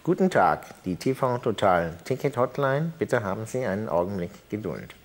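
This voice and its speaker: A man using a disguised deep voice to play a deadpan male hotline operator on a prank phone call, slow and hesitant with many fillers. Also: heavy background noise. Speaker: TV show host posing as ticket hotline operator.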